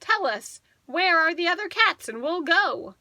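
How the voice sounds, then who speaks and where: A woman's voice: extremely high pitch, animated, a little slow, pushed and bright, dry recording, voice pushed up, exaggerated voice. A woman voicing James, a brave young male cat with wings. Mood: earnest.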